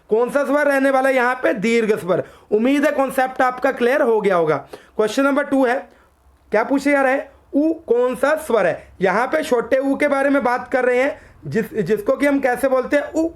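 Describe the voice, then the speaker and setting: A woman with a high voice leads an exam coaching lesson, drawing out letter sounds slowly so viewers can copy them. She asks her own quiz questions and drops her voice to give each answer. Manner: poses quiz questions, then answers them herself in a lower voice; addresses viewers as friends. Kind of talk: online exam-prep lesson.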